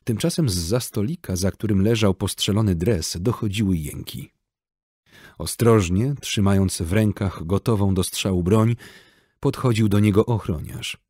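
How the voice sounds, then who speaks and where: A man reading an audiobook in steady, measured scripted narration. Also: lowish voice, no room sound, clean studio sound.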